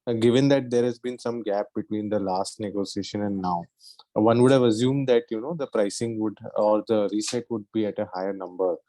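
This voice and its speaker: A man's voice: lowish voice, brisk, warm tone, no room sound, poor audio. A man asking questions as an analyst on an earnings call, polite and tentative as he thinks aloud. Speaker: financial analyst.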